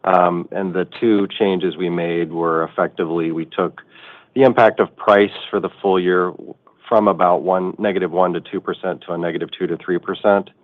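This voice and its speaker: A man working as a finance chief, answering earnings call questions in a halting way, often rephrasing. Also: low voice, steady tone. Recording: muffled narrowband conference phone line.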